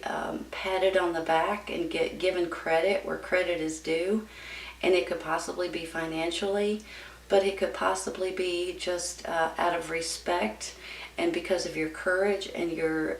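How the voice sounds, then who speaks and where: A woman giving a casual tarot reading to viewers in a folksy, encouraging manner. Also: lowish voice. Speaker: tarot reader. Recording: roomy, distant mic with background noise.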